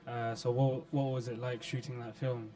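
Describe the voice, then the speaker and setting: A man's voice: mid-range voice, level tone, moderate pace, warm tone. A man from the audience asking a question hesitantly, with fillers.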